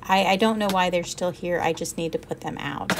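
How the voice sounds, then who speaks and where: A woman's voice: on the low side, steady tone, fairly quick, creaky, background noise. A middle-aged woman from Alabama chats casually while decluttering a basement, thinking aloud as she sorts. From Alabama, USA. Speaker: home vlogger. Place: cluttered basement storage room. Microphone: handheld camera filming nearby.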